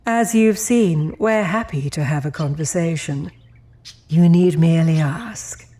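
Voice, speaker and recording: A woman playing a genteel, imperious female demon in an audio drama, speaking formally with cool, measured politeness. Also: sits low, mellow. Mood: gracious, warning.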